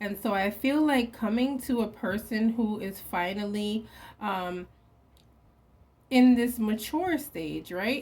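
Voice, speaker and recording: In a very clean recording with a silent background, a somewhat breathy woman with a New York accent speaks very slowly at a medium pitch, using ordinary pitch variation. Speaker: psychic reader. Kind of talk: tarot reading commentary. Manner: casual, conversational with fillers.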